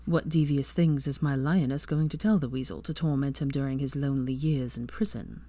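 A woman voicing a young adult male wizard who is protective and possessive, speaking low and hushed. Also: fairly even intonation, brisk, no echo.

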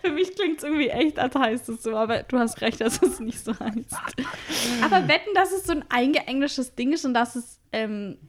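A woman's voice: high voice, expressive, moderate pace. A woman chatting casually in a podcast, laughing often and arguing playfully about word meanings. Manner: giggly, argumentative, teasing. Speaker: podcast co-host. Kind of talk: casual recap chat.

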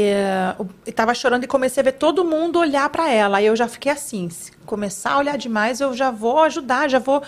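A woman from Brazil, a guest educator in a casual podcast chat, talking earnestly and acting out little bits of dialogue. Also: on the high side. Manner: earnest, quick, acts out quoted dialogue.

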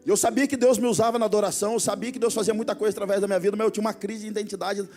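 A Brazilian man preaching as a pastor to his congregation, telling personal stories with hushed asides and loud exhortations. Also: high-pitched, steady tone, very fast, faint music behind. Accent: Brazilian Portuguese. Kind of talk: sermon. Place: church hall before a congregation.

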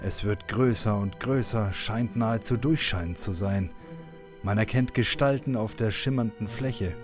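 A man with a fairly low voice narrates a homemade audio drama. His delivery is scripted and dramatic, setting scenes in a storyteller's manner, with music playing underneath. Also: a little slow. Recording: music bed behind the voice.

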